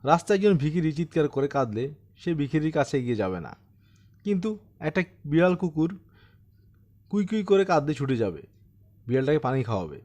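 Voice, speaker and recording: A man acts out a courteous old widower from a short story audiobook. He is bookish, talkative and gently insistent, telling things conversationally with a lively, varied pitch. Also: a little fast, pauses often. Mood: reflective.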